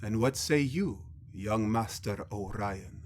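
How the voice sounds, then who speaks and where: A man playing a commanding alien elder and father in a scripted audio drama, speaking formally and deliberately. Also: on the low side, slight background noise. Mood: measured, questioning.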